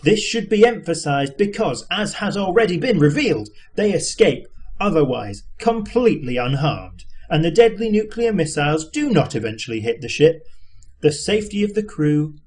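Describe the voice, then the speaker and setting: A man's voice: a little high, big pitch swings, moderate pace, a little mellow. A man narrating an audiobook as an amateur reader, in scripted storytelling style.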